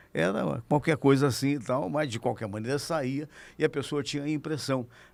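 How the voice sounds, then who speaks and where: Set against a silent background in a very clean recording, a man speaks at a moderate pace with a fairly high pitch, ordinary pitch variation and vocal fry. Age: 70s. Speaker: actor, writer and broadcaster. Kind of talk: casual chat. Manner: halting.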